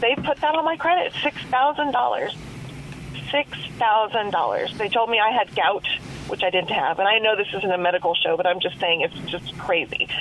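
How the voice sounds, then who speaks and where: A woman speaks in an American accent, her pitch swinging very widely. Noticeable background noise is present. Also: fairly high pitch for a woman, moderate pace, very even loudness. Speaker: caller. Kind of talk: call-in question. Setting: phone call. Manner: halting.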